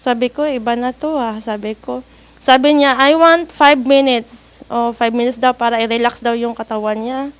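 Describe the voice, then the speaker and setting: A woman's voice: a little high, steady tone, normal speed. A woman, an overseas worker, earnestly and politely recounting a personal ordeal in an interview, with nervous laughs. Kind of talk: personal story told in an interview.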